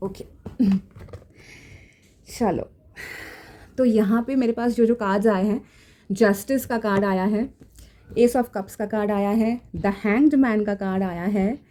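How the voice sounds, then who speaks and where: Soft-toned woman giving tarot guidance. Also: mid-range voice, slow pace, long pauses. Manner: gentle, reassuring, mixes in English phrases. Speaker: tarot reader. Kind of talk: casual spiritual guidance. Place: home room.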